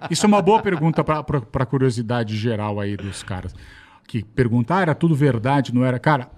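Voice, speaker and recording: Fast-talking man telling podcast stories. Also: animated, a little mellow. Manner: rapid, laughing, drops to a low mutter in asides. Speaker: podcast host, former show producer. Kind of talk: casual storytelling chat.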